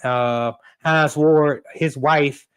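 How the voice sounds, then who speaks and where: A man, a sports radio producer and host, talking in a relaxed way with fillers and repeats as a guest. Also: a little high, extremely slow, smooth. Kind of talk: casual storytelling chat.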